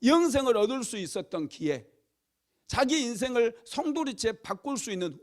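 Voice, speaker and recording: A male pastor delivering a Sunday sermon, telling a Bible story dramatically and raising his voice to act out cries. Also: high voice. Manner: dramatic storytelling, loud acted cries for emphasis.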